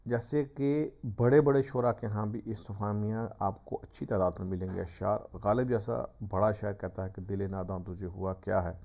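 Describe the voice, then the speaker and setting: Guy teaching a grammar class, raspy gravelly voice, slow patient explaining, kinda muffled lo-fi audio. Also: fairly low pitch, mellow. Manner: patient, explains step by step with examples. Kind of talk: classroom lecture. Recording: dull lo-fi recording.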